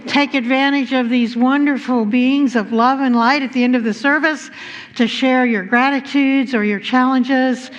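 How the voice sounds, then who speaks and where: A woman's fairly high voice carries through a long, hall-like reverb, slightly dulled by the recording. She leads a church service, offering blessings and announcements in measured, reverent phrasing. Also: steady tone, lo-fi sound.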